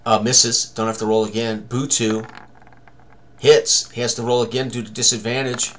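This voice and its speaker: The recording is low quality with slight background noise: an older man at his computer in a small room presents a tabletop game tutorial, commenting briefly on rolls and tallies as he thinks aloud. He has a medium-pitched, level, fairly bright voice and speaks at a normal speed.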